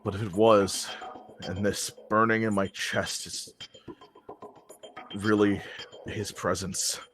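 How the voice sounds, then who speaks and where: A man's voice: lowish voice, little pitch movement, slow pace, a bit bright, soft background music. A man playing a tabletop game, hesitant and self-deprecating, with many fillers. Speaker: player. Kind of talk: in-character tabletop role-play.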